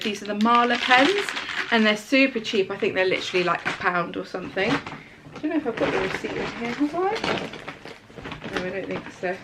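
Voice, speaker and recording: A woman with a stuffy, congested voice talks in a bubbly, gushing way. Her pitch sits in the middle, and she fills the talk with chatty asides. A faint hiss lies behind her as she sits on her bedroom floor. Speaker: home and lifestyle vlogger. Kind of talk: casual chatty haul video.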